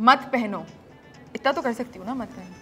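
A woman speaks in a high-pitched voice. Faint music plays in the background. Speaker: TV actress. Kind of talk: playful celebrity game, casual chat. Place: studio.

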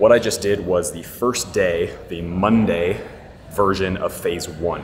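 Music plays behind a man whose fairly low voice shows ordinary pitch variation. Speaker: fitness coach. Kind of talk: casual vlog chat. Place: gym.

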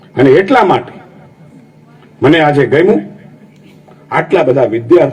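The speaker has an animated tone and lively intonation. Noticeable background noise is present. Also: man, fairly high pitch for a man. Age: 50s. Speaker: local politician. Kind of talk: public speech. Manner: animated, rally-style.

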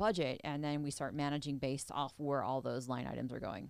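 In a dry recording with no echo and a quiet background, a woman with a very deep, low pitch speaks at a fairly quick pace. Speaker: unit production manager. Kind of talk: casual interview chat. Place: studio. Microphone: studio mic.

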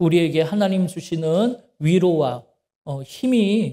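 A man speaks at a fairly slow pace in a high pitch for a man, with a dark, mellow tone. The background is quiet. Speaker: pastor. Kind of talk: sermon. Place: church. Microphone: podium.

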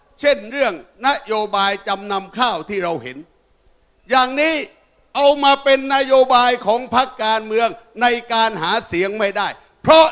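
This man has a bright, sharp tone with ordinary pitch variation. The background is quiet. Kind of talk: political rally speech. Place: stage. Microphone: handheld.

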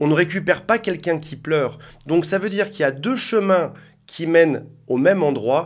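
Here a man speaks at a moderate pace with a fairly high pitch. His pitch varies in an ordinary way. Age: 40s. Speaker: relationship coach YouTuber. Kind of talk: video monologue giving advice. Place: home room. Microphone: studio mic.

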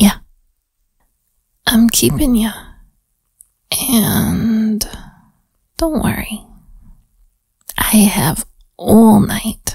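Using a put-on character voice, a woman speaks in a hoarse, stern tone at a fairly high pitch with ordinary pitch variation. Her pace is very slow, broken by long, frequent pauses. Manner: mock-caring, teasing, then stern.

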